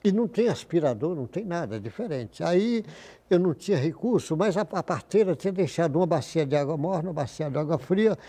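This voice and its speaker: An older man recounts his doctoring stories in an easy, anecdotal way, slipping into other people's voices as he quotes them. His voice sits a bit high yet sounds mellow and relaxed. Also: quick pace. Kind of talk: casual storytelling interview.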